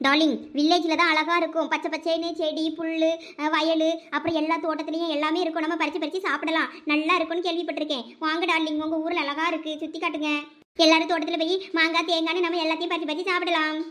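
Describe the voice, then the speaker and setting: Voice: very high voice, little pitch movement, fast, sharp tone. A voice actor playing a spoiled, food-loving young city bride in a village cartoon, with a childish, whiny manner and a Thoothukudi Tamil accent. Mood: pleading.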